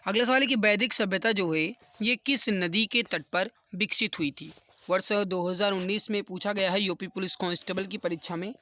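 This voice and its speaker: A man with a high, bright, forceful voice teaches an exam class. He works through quiz questions step by step and repeats key answers for emphasis. The sound is dry and close. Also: brisk, no echo. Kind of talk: explanatory quiz lesson for exam students.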